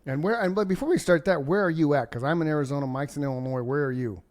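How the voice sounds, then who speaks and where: A man co-hosting a casual podcast over a video call, chatty and quick with short affirmations. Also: a little high, darkish tone, slight background noise. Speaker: co-host.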